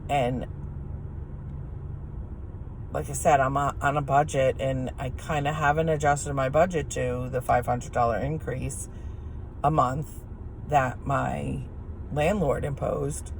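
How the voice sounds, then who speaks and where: A middle-aged woman with a hoarse voice, chatting frankly and rambling while she drives, easily irritated by other drivers. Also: a bass voice, steady tone, slow pace, long pauses, rough recording. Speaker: vlogger. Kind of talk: casual chat while driving. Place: in a car while driving. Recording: car road noise behind.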